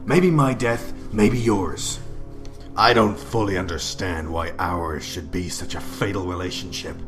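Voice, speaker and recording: Menacing vigilante hero, low pitch, slow intense delivery, grim and weary, radio drama, strong music backing. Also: male voice. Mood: grave, measured.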